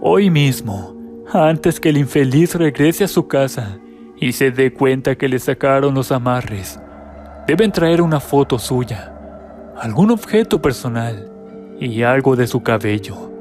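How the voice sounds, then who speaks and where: A man's voice: medium pitch, expressive, unhurried, darkish tone, faint music behind, lightly acted. A man doing a solemn old witch. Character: commanding old witch, female healer.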